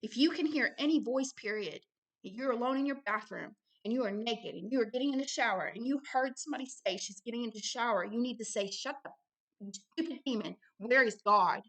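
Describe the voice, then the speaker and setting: A woman's voice: fairly high pitch, quick pace, poor audio. A woman giving impassioned, informal Christian teaching and testimony, blunt and emphatic, repeating phrases for stress. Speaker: ministry founder and host reading and commenting on a book.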